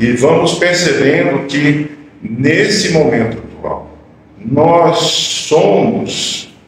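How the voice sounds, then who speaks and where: Speaking at a very slow pace, a man with a fairly high pitch and lively intonation is heard with audible room echo and noticeable background noise. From Brazil, Goiás. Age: 60s. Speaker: spiritist lecturer. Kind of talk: lecture.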